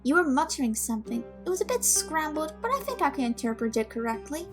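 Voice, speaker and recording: Woman acting a high-voiced, gentle young servant woman. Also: sing-song, quick pace. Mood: careful, tender. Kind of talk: audio drama acting. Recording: music under the voice. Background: music.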